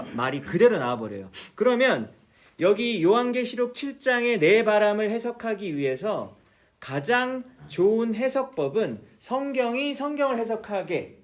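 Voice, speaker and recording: A man teaching a church Bible study, explaining patiently, repeating key words and asking his listeners many questions. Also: high-pitched. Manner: mixes English words into explanations.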